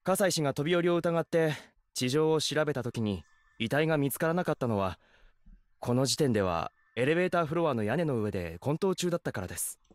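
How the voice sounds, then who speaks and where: An actor playing a calm male detective explaining a case, in a measured explanatory delivery for a game. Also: on the high side, no echo, natural voice. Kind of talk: Japanese game voice acting.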